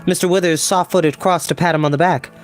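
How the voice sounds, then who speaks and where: A man reading a children's novel aloud as narrator, in an expressive storytelling style. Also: on the high side, brisk, faint music behind.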